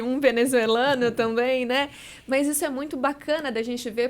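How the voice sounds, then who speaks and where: A woman hosting an interview podcast, affirming and conversational as she sums up and hands over to guests. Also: a little high. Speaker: podcast host.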